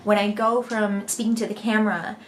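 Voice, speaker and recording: A woman's voice: medium pitch, little pitch movement, a little fast, a little hiss or hum. An American woman vlogging, talking casually to the camera at home and laughing often.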